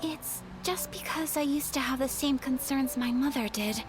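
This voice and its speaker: A graceful young noblewoman, played by a woman, speaking softly and formally in a fairly high voice. She is polite and a little reserved, with game music clearly under her. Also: moderate pace, natural voice. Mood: earnest. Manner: soft-spoken, formal, hesitant at times. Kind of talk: video game voice acting. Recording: game audio with background music.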